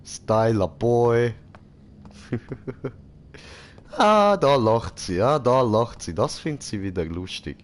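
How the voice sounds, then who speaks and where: A man's voice: mid-range voice, expressive, slow pace, pauses often. A man with a Swiss German accent giving casual, joking gameplay commentary and talking back at the game character. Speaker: let's play host.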